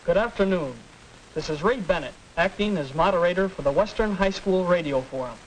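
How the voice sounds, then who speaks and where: A formal radio forum moderator. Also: male voice, sits high, expressive, fairly quick, rough recording. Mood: announcing. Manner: formal, announcing. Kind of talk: 1940s radio announcer acting. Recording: hissy 1940s film soundtrack.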